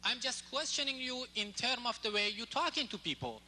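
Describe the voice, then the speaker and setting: Man from Iran, audience questioner, halting, insistent, high voice, very sharp, long hall reverb. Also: animated. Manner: halting, non-native phrasing, insistent. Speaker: audience member asking a question. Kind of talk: heated question from the floor. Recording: echoey hall, from off-mic.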